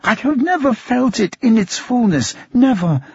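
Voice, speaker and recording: A man's voice: very animated, breathy edge, no echo, exaggerated voice. A man voicing a young blind girl who pleads earnestly through tears. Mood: earnest, tearful. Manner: trembling, pleading, high and slow. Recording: muffled, dry, lo-fi.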